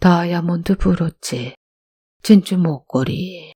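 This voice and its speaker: The female-sounding voice is a put-on character voice, raspy, fairly low in pitch and fairly slow in pace. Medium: read story. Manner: terse, authoritative.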